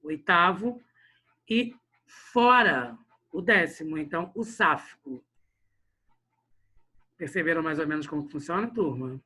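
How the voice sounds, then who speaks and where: A man with a slightly high, bright, somewhat rough voice speaks at a normal rate with frequent pauses and a forceful tone. He's teaching a literature class online, talking straight to his students and checking in with quick tag questions, peppering his lines with "né?" and "olha só."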